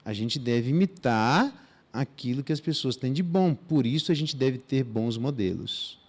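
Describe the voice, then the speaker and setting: A man's voice: medium pitch, measured pace. Brazilian guy preaching at church, voice bouncing all over, chatty, slangy little asides. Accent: Brazilian Portuguese. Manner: casual and animated, with slang asides and mock dialogues. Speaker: pastor. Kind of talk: expository Bible teaching.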